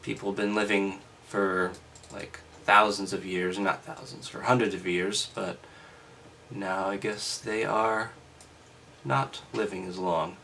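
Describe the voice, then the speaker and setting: A man with a halting, freshly woken delivery, reading aloud casually and breaking off for wry, skeptical commentary. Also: low voice, flat delivery, creaky, bright, forceful tone, slight background noise. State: just woke up.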